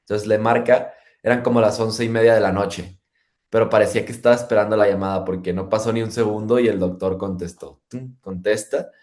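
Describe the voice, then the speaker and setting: Young man, lowish voice, lively storyteller, personal testimony. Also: fairly quick. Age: young adult. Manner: lively retelling, acts out dialogue, frequent fillers. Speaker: testimony speaker.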